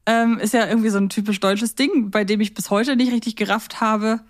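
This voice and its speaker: A woman's voice: mid-range voice, fairly even intonation, brisk. A woman from Germany chatting informally as a podcast co-host, telling stories in a conversational way. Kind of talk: casual conversational podcast chat.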